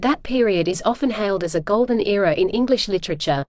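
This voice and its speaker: A woman's voice: medium pitch, lively intonation, fast, darkish tone, no echo, studio quality. A woman reading scripted practice sentences aloud for an English exam lesson.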